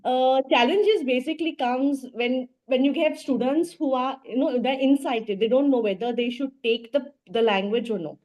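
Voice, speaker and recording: Higher-pitched Goan Indian woman. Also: normal speed, few pauses, darkish tone, poor audio. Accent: Goan Indian English. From Goa, India. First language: Portuguese and Konkani. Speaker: language teacher, interview guest. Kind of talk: spontaneous interview answers.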